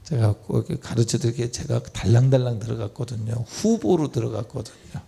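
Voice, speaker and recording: A male pastor delivering a lively sermon, moving between polite speech and blunt, informal address to his listeners. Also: medium pitch, brisk, vocal fry, breathy edge. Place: church sanctuary.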